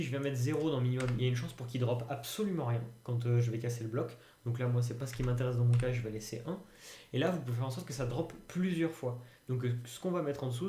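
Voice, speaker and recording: Medium in pitch and mellow in tone, this tutorial YouTuber from France talks casually over a screen recording, hesitating often and filling pauses as he thinks aloud. There's a little hiss or hum in his roomy home setup.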